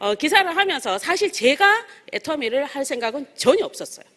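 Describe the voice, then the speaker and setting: A woman's fairly quick speech with very wide pitch swings and a bright, sharp tone. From Daegu, South Korea. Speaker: network marketing business leader. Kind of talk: business presentation with personal story.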